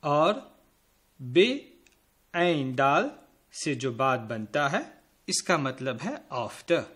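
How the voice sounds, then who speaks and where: A man teaching a school lesson to children, speaking slowly and spelling out words letter by letter as he addresses the pupils directly. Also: mid-range voice, expressive, fairly bright tone. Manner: slow, careful spelling out of letters.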